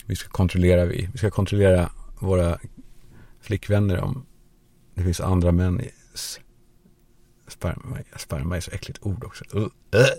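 Gravelly low-voiced man telling crude stories. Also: darkish tone, dry recording. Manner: rambling, crude anecdotal humor; acts out quoted voices. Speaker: podcast host. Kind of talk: comedic storytelling monologue.

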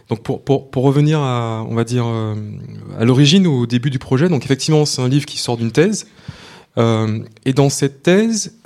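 Young man from Martinique, author at a book event, halting delivery full of fillers and restarts. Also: mid-range voice, a little mellow. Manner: hesitant, many fillers and repeated words. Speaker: author and researcher. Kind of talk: book talk at a public event.

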